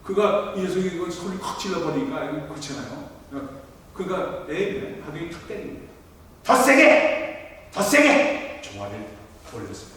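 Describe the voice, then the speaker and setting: A middle-aged man preaching a sermon, telling a story and acting out its voices with sudden loud peaks. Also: fairly high pitch, expressive, fast. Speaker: pastor. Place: large church sanctuary. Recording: echoey hall from far off.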